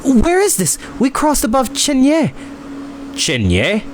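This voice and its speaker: A man's voice: very high voice, huge pitch swings, takes it slowly, a little hiss or hum, voice pushed up, full character voice. A man voicing an anxious, stubborn young man in a storybook. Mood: alarmed.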